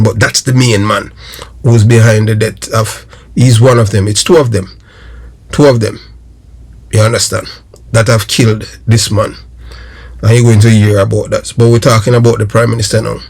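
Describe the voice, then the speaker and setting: A man's voice: medium pitch, darkish tone. Emphatic Jamaican man giving commentary. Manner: emphatic and repetitive, addresses viewers directly. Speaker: YouTube commentator and former detective. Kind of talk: political commentary monologue.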